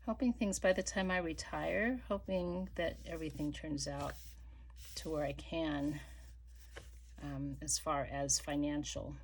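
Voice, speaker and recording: A middle-aged woman chatting casually while she crafts, rambling with many fillers and dropping to soft murmurs as she works. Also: low voice, steady tone, a little slow, husky. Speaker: crafting vlogger.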